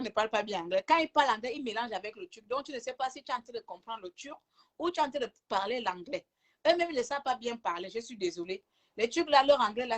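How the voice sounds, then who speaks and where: Chatty laughing woman vlogging from a hotel room. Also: on the high side. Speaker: travel vlogger. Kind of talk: casual vlog chat.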